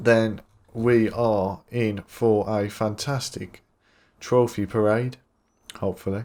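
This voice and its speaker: A man with an English accent speaks at medium pitch in a monotone, flat intonation with long, frequent pauses. The recording is very clean with a silent background. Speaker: gaming video creator. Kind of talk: gameplay commentary. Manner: fast; slurred.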